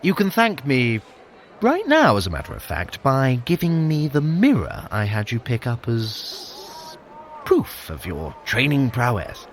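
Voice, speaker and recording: A man's voice: medium pitch, huge pitch swings, unhurried, a little hiss or hum. A man playing a smug, vain trickster god in an audio adventure, theatrical and condescending as a grudging mentor. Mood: self-satisfied. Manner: theatrical, self-satisfied, condescending. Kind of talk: scripted audio adventure acting.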